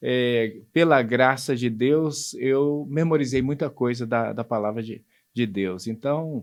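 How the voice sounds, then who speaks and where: A man holds a medium pitch while talking at a very slow pace. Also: ordinary pitch variation, quiet background. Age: 60s. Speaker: pastor. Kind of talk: interview. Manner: halting, repeats words.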